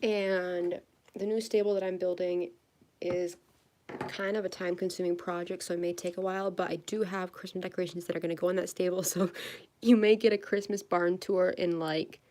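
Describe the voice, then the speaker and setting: 19 yr old girl chatting while she decorates, kinda low voice, giggly, rambly, phone on the desk. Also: flat delivery, brisk, dark tone. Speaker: vlogger. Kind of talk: casual chat while crafting. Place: indoors at a desk.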